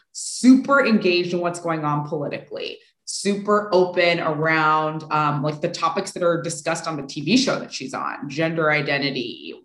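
A woman in her thirties hosting a podcast in a casual, chatty style. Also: fairly low pitch. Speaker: podcast host. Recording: roomy, echoing sound.

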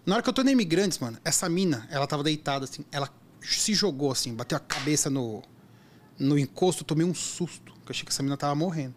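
Animated fast-talking man. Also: a little high, a little hiss or hum. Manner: animated storyteller, acts out quotes. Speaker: app driver. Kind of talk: casual chat.

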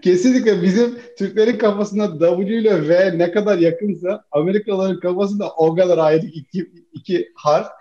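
A man's voice: high-pitched, moderate pace, few pauses, mellow. A man from Turkey chatting casually with friends, laughing often and calling them "abi". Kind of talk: casual chat. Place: living in the United States. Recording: dull roomy home recording.

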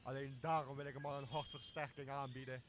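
A man's voice: mid-range voice, level tone, brisk, background noise, lightly acted. A young man playing a boozy, blustering, greedy castaway in a Shakespeare radio play, with a coarse and bossy manner. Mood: scheming. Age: young adult. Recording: clear outdoor nature sound behind voice.

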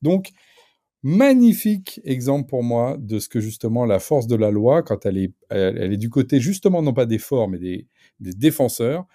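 Animated man with a dark, dry voice. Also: medium pitch, normal speed, no room sound. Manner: animated, emphatic, many fillers and restarts. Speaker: guest commentator. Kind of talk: casual radio discussion.

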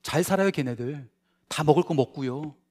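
High-voiced pastor preaching with swinging intensity. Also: male voice, normal speed. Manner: animated, swings from loud emphatic lines to soft confiding asides; conversational, asks the congregation questions. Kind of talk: sermon.

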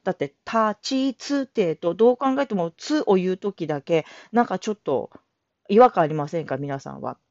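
Lively low-voiced woman hosting a solo talk. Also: fairly quick, dry recording. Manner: chatty, self-deprecating, laughs often. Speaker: solo audio show host. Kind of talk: casual spoken monologue. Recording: dull lo-fi dry recording.

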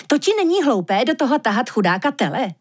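A woman voicing a small, skeptical female arctic fox who teases in a wry, doubtful way, with a husky voice. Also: mid-range voice, sing-song.

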